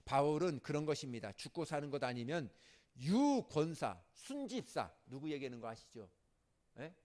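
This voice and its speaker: A male pastor delivering a Sunday sermon with a lively, swooping voice pitched a touch high. He jumps from loud scolding to soft, almost murmured asides. Now and then he teases the congregation with quick questions. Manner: asks the congregation questions and jokes with them.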